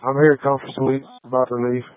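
A man's voice: mid-range voice, level tone, fast, dry recording. A man, a patrol officer, giving short, matter-of-fact replies over a walkie talkie. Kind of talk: radio traffic with dispatch. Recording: tinny two-way radio, dry.

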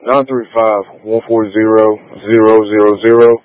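A man's voice: fairly low pitch, level tone, normal speed, no echo. A man on patrol, heard over a two-way police radio, speaking in clipped radio codes and reading out plate numbers. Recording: tinny, dry radio transmission.

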